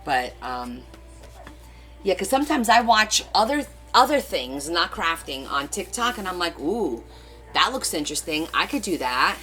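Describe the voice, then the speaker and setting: A woman's voice: fairly low pitch, very animated, moderate pace, bright, forceful tone, faint music behind. A middle-aged woman whose first language is Portuguese, chatting casually and rambling as she hosts a live crafting stream and answers viewer comments. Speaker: crafting livestream host.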